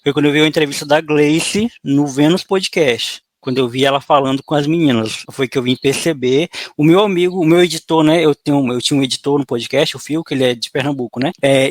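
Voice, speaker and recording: A man's voice: fairly high pitch, no room sound. A man in his late twenties from Acre, Brazil, hosting a podcast and chatting casually, leaning on fillers like "né" and "mano". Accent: Acre Brazilian Portuguese. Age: 20s. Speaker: podcast host.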